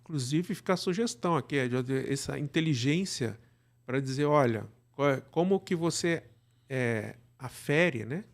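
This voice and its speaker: A middle-aged Brazilian man speaking casually as an interview guest, illustrating his points with imagined remarks in an animated conversational way. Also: medium pitch, moderate pace. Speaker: guest, director and cultural producer.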